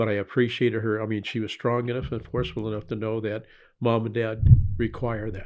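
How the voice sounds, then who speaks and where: At a fairly quick pace, a man with an American accent speaks in a medium pitch with monotone, flat intonation. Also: quiet background. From California. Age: 70s. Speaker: church member interviewee. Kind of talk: interview, telling life story. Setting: studio.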